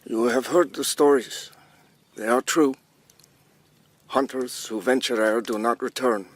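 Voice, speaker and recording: An actor playing a solemn tribal leader who addresses his people in a grave, measured storytelling manner in an audio drama. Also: medium pitch, fairly even intonation, no echo, lightly acted. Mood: solemn, warning.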